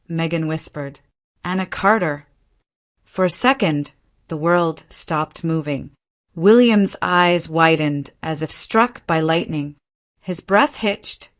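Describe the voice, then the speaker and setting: Slow, low-voiced woman narrator. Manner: slow, measured storytelling. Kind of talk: scripted narration.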